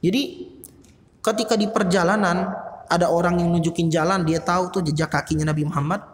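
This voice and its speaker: A man's voice: high voice, brisk, a little hiss or hum. Man, preacher, chatty storytelling sermon, roomy reverberant hall. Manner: conversational, lively retelling with slangy asides.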